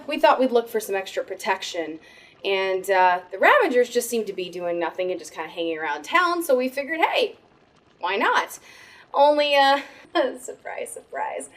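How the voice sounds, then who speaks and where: A put-upon daughter with a high, lively voice. She is sarcastic and casual, drifting into wry asides, in a comedic audio drama. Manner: sardonic, casual, hesitant asides. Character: exasperated, sarcastic daughter of a cook.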